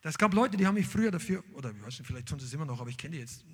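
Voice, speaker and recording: Male pastor, husky, high-pitched voice, emphatic sermon delivery. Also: rapid-fire. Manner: animated, emphatic preaching with sudden loud peaks.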